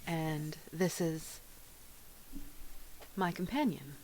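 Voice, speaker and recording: A woman's voice: deep voice, very slow, a little mellow, heavily acted, rough recording. A woman playing an earnest, plain-spoken female holy knight in a tabletop game. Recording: clear background hiss and noise.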